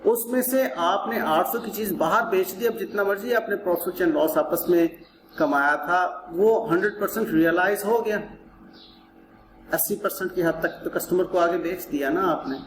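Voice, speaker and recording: A man's voice: high-pitched, moderate pace. A man with a Pakistani accent lecturing as an accounting teacher, explaining step by step in a didactic way, repeating points and posing rhetorical questions. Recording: roomy echo with clear background noise.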